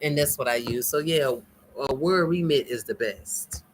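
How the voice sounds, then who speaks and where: A woman from the United States with an African American English accent chats with live-stream viewers from her home in Nigeria, animated, teasing and folksy, laughing often. Her voice is low and at normal speed, with a little hiss or hum in the audio.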